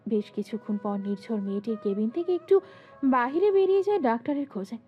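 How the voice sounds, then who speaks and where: A woman narrating a scripted romantic story in an expressive storytelling manner. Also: fairly high pitch, fast talker, dull audio. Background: background music.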